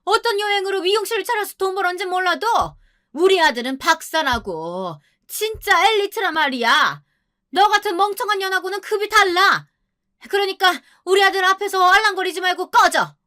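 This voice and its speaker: A woman's voice: very high voice, expressive, fairly quick, sharp tone, pitched above the performer's own voice, exaggerated voice. A woman voicing an arrogant, snobbish middle-aged mother-in-law who hurls contemptuous insults.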